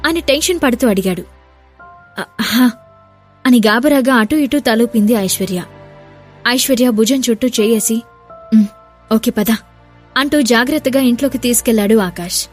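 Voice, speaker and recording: High-voiced woman narrating a dramatic audio story. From Telugu-speaking India. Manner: voices all the characters herself, shouting for the angry ones.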